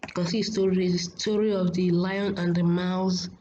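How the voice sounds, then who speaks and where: A woman giving a casual software tutorial in a hesitant, repetitive, halting way, as a host. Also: fairly low pitch, level tone. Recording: muffled, noisy home screen recording.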